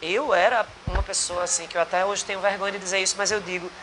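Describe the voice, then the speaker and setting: A man's voice: high-pitched, fairly even intonation, quick pace, background noise. A man with a Potiguar accent from northeastern Brazil, a singer and actor talking earnestly in a rambling interview with many restarts. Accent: Potiguar Brazilian Portuguese. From Rio Grande do Norte, Brazil. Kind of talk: casual interview chat. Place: bar.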